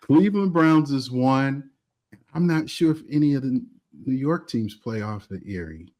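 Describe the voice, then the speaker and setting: A man's voice: medium pitch, lively intonation, moderate pace, darkish tone. An older man co-hosting a podcast who jokes around, mocks himself and laughs often. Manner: joking, self-mocking, laughs a lot. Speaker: podcast co-host. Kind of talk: casual podcast banter.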